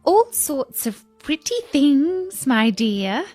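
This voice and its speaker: A woman's voice: high-pitched, sing-song, slow pace, darkish tone, dry recording, faint music behind, voice pushed up, exaggerated voice. A woman voicing a wicked queen disguised as an old peddler woman, calling out her wares in a wheedling sing-song.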